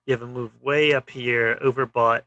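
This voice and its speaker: A man's voice: medium pitch, fairly even intonation, moderate pace, sharp tone, highs cut off. A man hosting a stock trading channel, walking through charts in casual, clipped phrases and often saying "you know".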